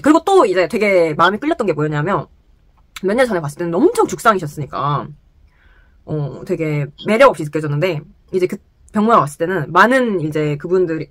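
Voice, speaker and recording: A young woman telling a personal story to the camera in casual chat, animated and laughing often, in a small indoor room. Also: fairly low pitch, dry recording. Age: young adult. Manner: animated, laughs often, gestures while talking. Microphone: camera close in front, sitting.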